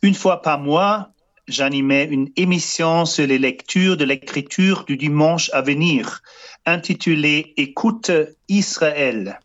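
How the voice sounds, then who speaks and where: Halting German-accented priest on radio. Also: male voice, fairly high pitch, a bit bright, muffled recording. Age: 50s. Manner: halting, searching for words with many fillers and restarts. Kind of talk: radio interview answers.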